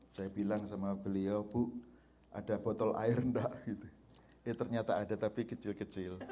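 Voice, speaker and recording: A man's fairly low, dark, mellow voice at a moderate pace, with monotone, flat intonation. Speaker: pastor, guest preacher. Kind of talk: sermon. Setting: church service.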